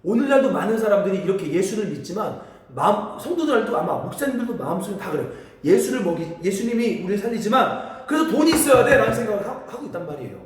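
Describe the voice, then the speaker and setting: A pastor preaches a sermon in a church sanctuary, telling stories with animated energy and acting out voices while the congregation answers back. His voice is high and he talks fast, captured from far off in an echoey church hall.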